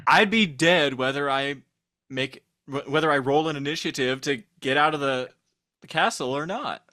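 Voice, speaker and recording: Man, bright voice, dry close sound, casual chat, expressive. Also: a little high, moderate pace, no echo. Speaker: podcast guest.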